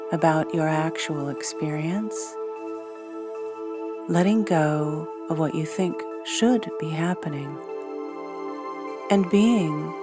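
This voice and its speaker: A woman guiding a scripted meditation in a gentle, soothing, soft-spoken way, leaving long pauses between short phrases. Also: sits low. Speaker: meditation guide. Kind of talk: scripted guided meditation narration. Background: new-age music.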